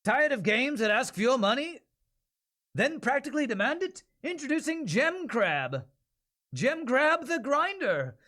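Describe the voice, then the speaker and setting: A man voicing a brash, hyped salesman in an over-the-top comedic mobile game commercial, loud and punchy. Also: very high-pitched, big pitch swings, unhurried, voice pushed up, exaggerated voice. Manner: loud, punchy, in-your-face salesman delivery. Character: brash, hyped male huckster pitching a greedy mobile game.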